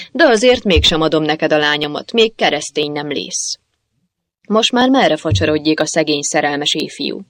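A woman recounts an old legend in a lowish, steady voice. The sound is close and dry, with no room around it. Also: no echo. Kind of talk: storytelling of a folk legend.

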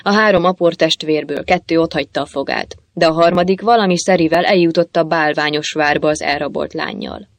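Low-voiced woman telling a legend, dry. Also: fairly even intonation, few pauses, no echo. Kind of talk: storytelling of a folk legend.

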